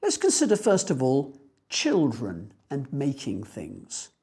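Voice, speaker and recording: A woman with a notably deep voice conducts a formal spoken exam. Her intonation rises and falls widely, and her tone is on the mellow side. She puts her questions in a measured, procedural manner. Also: wildly swooping pitch, breathy edge. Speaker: speaking test examiner.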